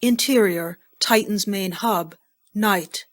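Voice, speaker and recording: A woman's voice: mid-range voice, slow pace. Female narrator: mid-range voice, reads scripted audio drama scene descriptions.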